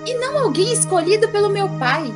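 High-pitched, dramatic young princess, acted by a woman. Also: sing-song, fairly quick, loud music behind the voice. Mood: indignant, pleading. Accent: Brazilian. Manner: theatrical. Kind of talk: audio drama acting.

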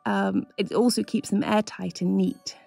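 A woman in her thirties from Australia tells the story of her home kitchen renovation, chatty and delighted. Her mid-pitched voice carries a gravelly fry. Soft music plays faintly underneath. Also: steady tone, measured pace. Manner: enthusiastic, chatty, laughs often. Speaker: lifestyle vlogger. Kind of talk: voice-over narration and casual vlog talk.

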